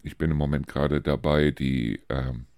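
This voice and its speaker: Very deep-voiced chatty man in his fifties. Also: steady tone, moderate pace, darkish tone, clear, resonant tone, no echo, clean studio sound. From Germany. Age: 50s. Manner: rambling, chatty, frequent hesitation fillers. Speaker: podcast host. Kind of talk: casual podcast monologue.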